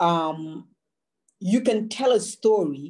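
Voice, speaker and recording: A woman's dark, mellow voice with lively intonation and a Malian accent. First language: Bamana. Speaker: storyteller. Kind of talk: panel talk.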